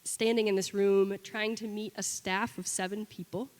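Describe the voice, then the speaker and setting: A woman's voice: medium pitch, little pitch movement, normal speed. Young woman storyteller in a reverberant hall. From Olympia, Washington. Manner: conversational, wry, with small restarts. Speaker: storyteller on stage. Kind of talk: live personal storytelling. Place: live event venue with long reverb. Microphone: stage microphone. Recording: live hall with long reverb.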